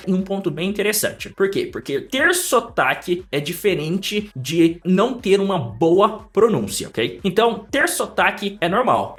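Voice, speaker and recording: A man teaching in a lively, emphatic way, asking rhetorical questions and giving advice to learners. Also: high voice. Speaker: English teacher. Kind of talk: lecture to camera.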